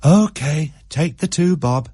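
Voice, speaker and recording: A man doing a brisk mum. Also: a little high, dark tone, slightly rough, dry recording, clean studio sound, pitched above the performer's own voice. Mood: scolding. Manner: brisk and scolding. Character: harried working mother of a boy.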